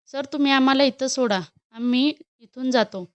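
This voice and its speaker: A woman reading a storybook who voices a gentle, protective young woman, speaking in a soothing, pleading way. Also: sits high, moderate pace, smooth, dry recording, dull audio, close to an everyday voice.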